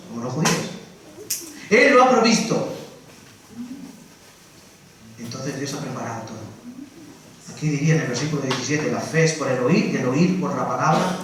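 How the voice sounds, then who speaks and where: A man preaching a Sunday sermon in a lively way, dropping to soft asides and rising to loud calls, acting out quotes. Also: a little high, a little hiss or hum. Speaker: pastor. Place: church hall. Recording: echoey church room from far off.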